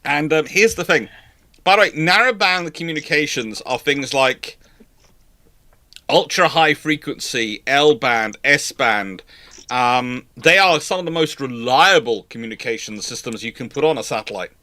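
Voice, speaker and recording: A man hosts a casual live panel, thinking aloud as he goes. His voice is very bright and sits in a dry space with little room sound. He rambles conversationally from point to point. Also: medium pitch, lively intonation, moderate pace, no room sound. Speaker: host of a live question-and-answer stream.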